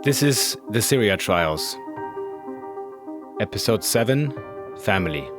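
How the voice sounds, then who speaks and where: A man hosting and narrating a documentary podcast in a measured, composed way. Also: on the low side, expressive, music in the background.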